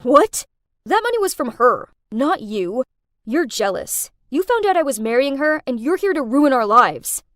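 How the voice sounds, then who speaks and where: A woman voicing a young man, a boyfriend who turns gruff and cold, hesitant at first and then curt. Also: high voice, sing-song, unhurried, a bit bright, dry recording, studio quality, exaggerated voice.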